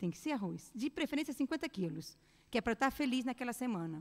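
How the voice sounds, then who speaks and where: A woman speaks at a moderate pace. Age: 40s. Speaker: preacher. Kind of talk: sermon. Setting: church.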